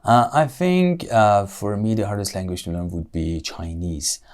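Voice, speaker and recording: A man with a Persian accent and a notably low, deep voice, giving spoken-exam answers in English. He thinks aloud, fills gaps with "uh" and restarts his phrases, sounding careful rather than rushed. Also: darkish tone. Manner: thoughtful, with frequent "uh" and self-corrections. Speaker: IELTS speaking test candidate.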